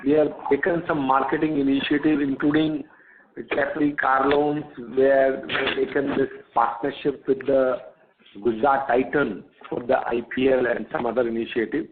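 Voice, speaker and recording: An Indian man speaking as a company executive, giving unscripted answers to analysts in a halting way, often repeating words. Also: mid-range voice, level tone, a crowd in the background. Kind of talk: unscripted earnings call answers. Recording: narrow, tinny phone line.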